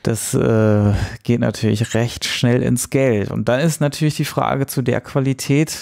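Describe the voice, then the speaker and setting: A man's voice: mid-range voice, steady tone, a little slow, vocal fry, darkish tone. A man talking casually as a podcast co-host, thinking aloud in a hesitant way.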